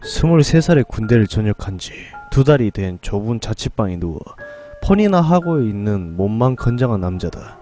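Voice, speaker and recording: A man's voice: lowish voice, sing-song, normal speed, dark tone, faint music behind. A man narrating a first-person horror tale in a dramatic, scripted storytelling style.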